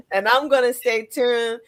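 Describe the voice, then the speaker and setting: A woman hosting a casual interview in an enthusiastic, affirming manner. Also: a little high. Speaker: podcast host.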